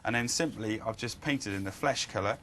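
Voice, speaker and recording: A man's voice: lowish voice, a little fast, a bit bright, slight background noise. A young man presenting on children's TV, cheerfully explaining a craft step by step. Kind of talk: crafting demonstration.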